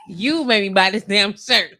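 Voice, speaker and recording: A woman's voice: medium pitch, bright, forceful tone, dry recording. A woman hosting a radio show, bantering casually and teasing her co-host, laughing often. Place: radio studio. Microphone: studio mic.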